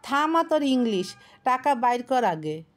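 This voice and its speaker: A woman narrator plays a gruff, short-tempered tea-stall keeper who scolds in rough dialect. He sounds loud and irritable. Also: sits high, expressive, a little slow. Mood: scolding. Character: gruff grumpy middle-aged male tea-stall keeper.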